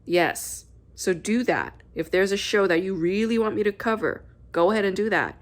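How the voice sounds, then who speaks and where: A woman's voice: mid-range voice, normal speed. Chatty woman podcast host. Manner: chatty, repeats herself for emphasis. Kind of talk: casual address to listeners.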